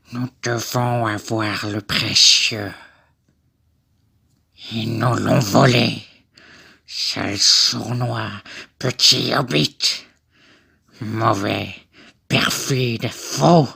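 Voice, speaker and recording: A man voicing a wretched, small film creature, torn between spite and pleading, with a raspy, creaky voice. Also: medium pitch, bright, forceful tone, full character voice. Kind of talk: film character imitation for voice demo.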